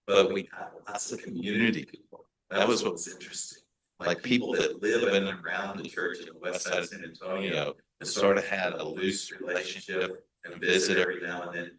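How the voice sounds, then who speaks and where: Deep-voiced pastor with a Hispanic accent. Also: male voice, fairly quick, a little hiss or hum. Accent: Hispanic American English. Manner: relaxed, with frequent fillers and restarts. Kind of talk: presentation to a church meeting. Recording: echoey meeting room.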